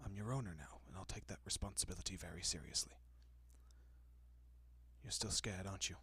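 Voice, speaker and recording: A man plays a courteous vampire gentleman in an intimate audio roleplay. His voice is low and husky, slipping often into whispers, captured very dry. He soothes and reassures with polite, old-fashioned tenderness and a quietly possessive air. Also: a little fast, no echo, full character voice. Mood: soothing, earnest. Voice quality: soft, breathy, often dropping to a whisper.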